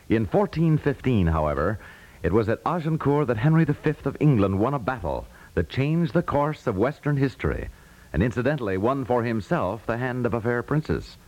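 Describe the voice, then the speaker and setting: An American man announcing on 1950s radio, reading a script in a formal, measured manner. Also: medium pitch, darkish tone, highs cut off. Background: music.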